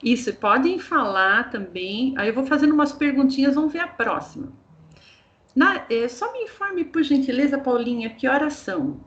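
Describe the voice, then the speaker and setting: Brazilian woman explaining patiently, slightly high. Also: animated, moderate pace, muffled recording. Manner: patient, explanatory, addresses the group directly. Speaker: teacher trainer. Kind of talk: online teacher training talk.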